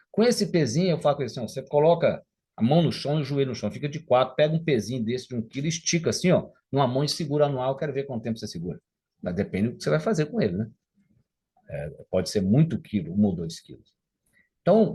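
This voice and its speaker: A middle-aged man giving a motivational lecture, with a warm, darker tone and a slightly husky edge to his voice. He talks to the audience conversationally and keeps tagging his points with quick rhetorical questions. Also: medium pitch. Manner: conversational, tags sentences with rhetorical "né?".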